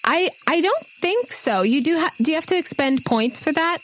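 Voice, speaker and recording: A woman game master improvising narration for a tabletop role-playing game in a conversational, halting, descriptive way. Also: high voice, expressive. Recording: faint noise with night insects and owls.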